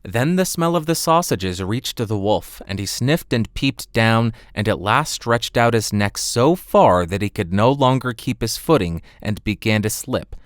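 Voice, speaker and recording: Male audiobook narrator, medium pitch, animated intonation, fairy-tale reading, very dry close recording. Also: measured pace, few pauses, no echo. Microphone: close studio condenser microphone.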